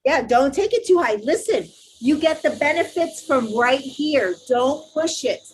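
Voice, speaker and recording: A woman teaching a live online yoga class, cueing poses step by step in a loud, encouraging, chatty way over a video call. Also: high voice, animated, unhurried, a little hiss or hum, rough recording. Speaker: yoga instructor.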